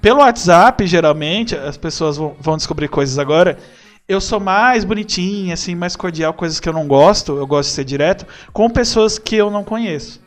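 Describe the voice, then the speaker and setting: High-voiced animated Brazilian man. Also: fairly quick. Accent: Brazilian Portuguese. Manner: animated, acts out quoted dialogue. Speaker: podcast guest. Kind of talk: casual chat.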